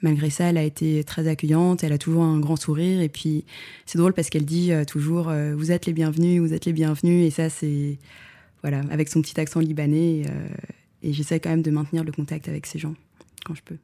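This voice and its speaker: A woman photographer answering interview questions in a reflective way, pausing often with fillers and restarting her sentences. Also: low voice, little pitch movement, mellow. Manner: hesitant, many fillers and restarts.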